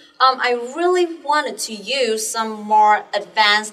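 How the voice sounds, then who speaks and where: The pitch of the voice swings very widely. Noticeable background noise runs throughout. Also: woman. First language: Vietnamese. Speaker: show host and IELTS test taker. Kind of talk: casual discussion.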